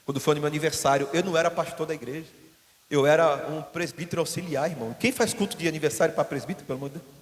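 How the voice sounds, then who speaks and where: A pastor preaching in a church, his voice sitting fairly high. He tells stories and acts out the voices of the people in them. A long reverb from the hall trails every phrase. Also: rapid-fire. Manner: storytelling, acting out quoted voices. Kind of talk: sermon.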